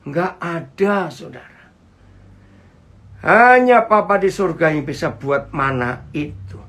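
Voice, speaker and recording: A man's voice: on the high side, animated, slow pace, a bit bright. A man preaching a sermon over a video call, chatty, asking his listeners questions and greeting viewers as they join. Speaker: pastor. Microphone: computer mic on a video call.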